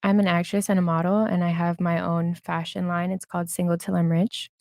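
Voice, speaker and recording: A woman's voice: on the low side, level tone, fairly quick, darkish tone. A woman in her twenties from New York, a podcast guest giving confident, sassy answers. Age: 20s. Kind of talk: casual interview answers.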